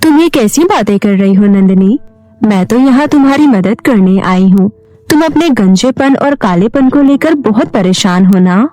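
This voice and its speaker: A woman voicing a kindly, calm water goddess in a cartoon story, soothing and measured. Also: medium pitch, no room sound, faint music behind, pitched below the performer's own voice, close to an everyday voice. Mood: reassuring.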